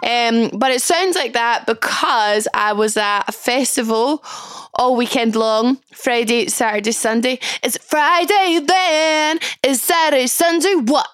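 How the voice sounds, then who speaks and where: Glaswegian woman host, young, hoarse and croaky, high voice, dry close sound, bubbly and chatty. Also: measured pace, fairly bright tone, dry recording. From Scotland. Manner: bubbly, chatty, swearing freely. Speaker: podcast host. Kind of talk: casual chat.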